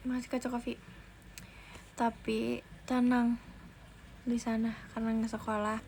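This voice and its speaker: A young woman talks casually into her phone on a livestream. She is chatty and often restarts her sentences. Her voice sits fairly high, and faint noise runs under the recording. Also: flat delivery, measured pace, creaky, darkish tone. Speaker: idol livestreamer.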